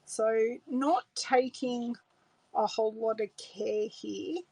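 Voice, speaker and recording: A middle-aged Australian woman, voice a little high and slow with a breathy edge, chats casually as she makes cards live, greeting viewers and thinking aloud in a relaxed way. Filmed indoors in her home craft room by an overhead camera showing her hands on the desk, it's a dry, low-quality recording.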